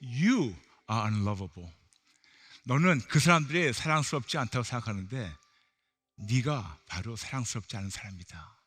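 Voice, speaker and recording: A man voicing God as a gentle, fatherly figure, speaking slowly and softly. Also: a little high, very animated, exaggerated voice. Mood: tender. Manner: slow, soft, hushed. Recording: long hall reverb, faint music.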